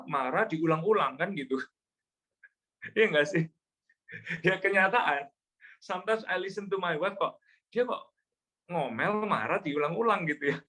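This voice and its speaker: A middle-aged male pastor preaching a sermon, slipping English phrases into his talk and repeating key words slowly for emphasis. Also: on the high side, fairly bright tone.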